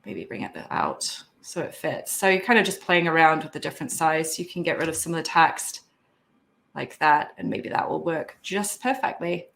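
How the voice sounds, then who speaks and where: A woman with a fairly low voice talks through a photo art tutorial over a video call. She is chatty and sentimental and sounds slightly hoarse, as if her voice is wearing out. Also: animated, moderate pace, a bit bright. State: losing her voice. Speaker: guest instructor. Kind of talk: software tutorial demonstration. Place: home office.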